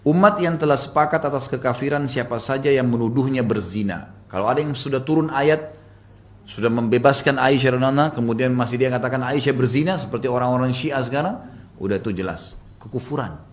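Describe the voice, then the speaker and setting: A man's voice: mid-range voice, quick pace. A male preacher tells a religious story in the easy, chatty tone of a study session. He talks to his audience plainly, sprinkling in casual filler words, with a mid-range voice.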